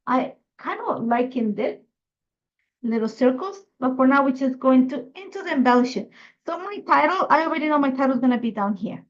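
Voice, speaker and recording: A woman's voice: high voice, muffled recording. A middle-aged woman from Ecuador, chatty and thinking aloud as she hosts a live scrapbooking tutorial. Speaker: craft host.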